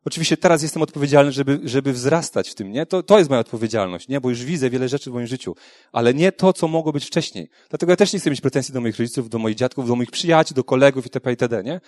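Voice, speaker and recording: A man's voice: medium pitch, lively intonation, fast talker, darkish tone, no room sound, clean studio sound. Earnest man, candid faith testimony. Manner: conversational, frequent tag questions and restarts; frank and earnest. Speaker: speaker giving a faith testimony. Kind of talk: personal testimony talk.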